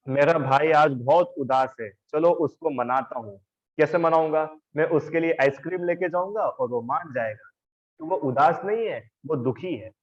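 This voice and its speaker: Over a video call, a man with a fairly high voice teaches an online religion class, explaining patiently, drilling students through repetition and calling on them by name. The recording sounds muffled.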